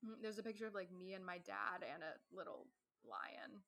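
A woman's voice: medium pitch, normal speed, vocal fry, bright, forceful tone. A young woman co-hosting a podcast in casual live stream chat, laughing often and leaning on "like". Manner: chatty, laughing, full of "like". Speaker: podcast co-host.

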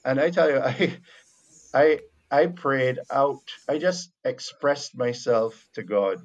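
A man with a Bajan accent, from Barbados, joins a relaxed faith discussion as a missionary guest, hesitating and restarting as he reflects. He has a mid-range voice captured with lo-fi sound.

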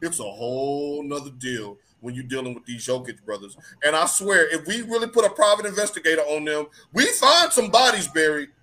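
A man hosting a casual sports talk show, animated and joking, sometimes dropping his voice low for comic effect. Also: a little fast, few pauses, poor audio. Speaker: host.

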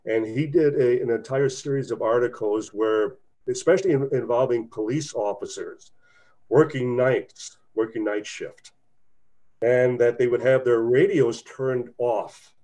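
A man's voice: mid-range voice, measured pace, warm tone. A man hosting a podcast, politely jumping in to add his own explanation in a casual chat. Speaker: podcast host.

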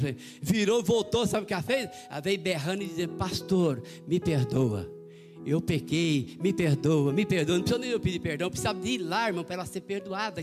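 Man, pastor, rapid-fire sermon, acts out voices in his stories, guitar playing behind. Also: high-pitched. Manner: animated storytelling, acting out quoted voices. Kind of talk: evangelical sermon. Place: church. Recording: sermon over live guitar music.

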